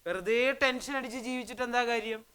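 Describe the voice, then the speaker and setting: A woman from Kerala, teaching spoken in an energetic, emphatic way, firing off rhetorical questions and mixing into her talk. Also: a little high, fairly quick, clean tone. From Kerala, India. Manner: energetic, emphatic, fires rhetorical questions, mixes English into Malayalam. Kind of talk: motivational language lesson.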